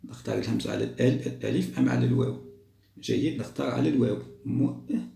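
A man teaching a lesson for young children, stretching out each model word slowly and then moving on quickly. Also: medium pitch, gravelly, mellow. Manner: slow, drawn-out model words, then quick asides. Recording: roomy echo.

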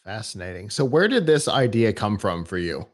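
Man, host, somewhat low voice, relaxed, conversational, restarts, studio mic. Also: normal speed. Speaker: tech show host. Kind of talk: interviewing a guest. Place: studio with a screen behind.

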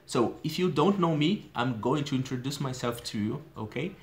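A man in his thirties from São Paulo with a Brazilian Portuguese accent, talking in a casual video diary. He is chatty and expressive and leans on fillers. He records himself on a phone in a small room. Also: medium pitch, moderate pace. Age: 30s. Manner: chatty and expressive, gestures a lot, many "you know" fillers. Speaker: language learner vlogger. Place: small indoor room with a plain wall. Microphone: phone camera at arm's length.

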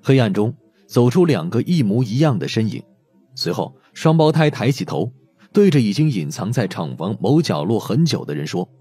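A man's voice: lowish voice, very animated, moderate pace, warm tone, slightly rough, no room sound. A man narrating a dramatic audiobook story in a scripted style. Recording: faint music under the voice.

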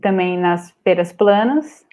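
A woman with a Brazilian Portuguese accent giving an online lecture over slides, pausing often with fillers and restarts. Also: on the low side, animated, darkish tone. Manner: hesitant, many filler "é" and restarts. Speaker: guest speaker on art publishing. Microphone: video call webcam.

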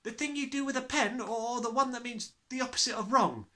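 A man voicing a brave, cheeky, bright little schoolboy in a storybook, matter-of-fact and plucky. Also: extremely high pitch, a little fast, pitched above the performer's own voice.

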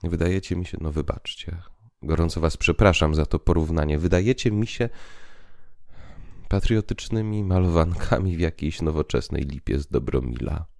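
Man acting a very deep, tormented prisoner philosopher. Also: moderate pace, vocal fry, a little mellow, no room sound, clean studio sound. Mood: bitter, apologetic. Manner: solemn, declamatory. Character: tormented, despairing male freed prisoner, bitter philosopher. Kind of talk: dramatic literary monologue.

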